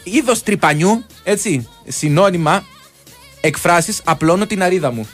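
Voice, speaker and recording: A man co-hosting a comedy talk show, firing off quick retorts and reading a listener's message. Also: high voice, expressive, faint music behind. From Greece. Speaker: co-host. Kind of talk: comedic banter.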